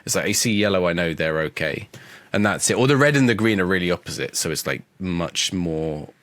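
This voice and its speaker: A man's voice: low-pitched, lively intonation, fairly quick, fairly bright tone, no room sound. A man co-hosting a podcast in casual chat, congested from a cold and chatty, with frequent restarts. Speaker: podcast co-host.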